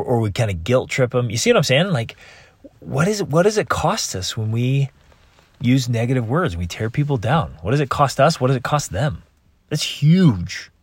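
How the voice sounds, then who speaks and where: A man's voice: mid-range voice, slightly rough, no room sound. A man hosting a motivational monologue, earnestly asking the listener rhetorical questions and often repeating and restarting words. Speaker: podcast host.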